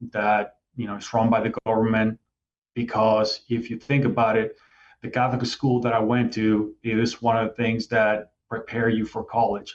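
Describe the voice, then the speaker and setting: A middle-aged man, speaking as an interview guest. His voice sits at an ordinary middle pitch, and he tells his story in an earnest, reflective, explanatory way. The sound is a little dull and lo-fi. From Venezuela.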